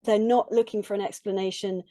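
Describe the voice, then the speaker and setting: A middle-aged woman, a relationship coach, speaking earnestly and reflectively in short halting phrases with restarts. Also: medium pitch, steady tone, no room sound, studio quality. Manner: earnest, reflective, with frequent soft laughs. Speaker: relationship coach, podcast guest. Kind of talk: conversational interview.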